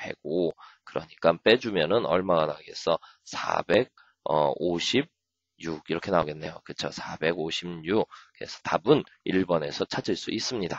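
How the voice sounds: A man's put-on character voice, hoarse and very deep, at a moderate pace with long, frequent pauses.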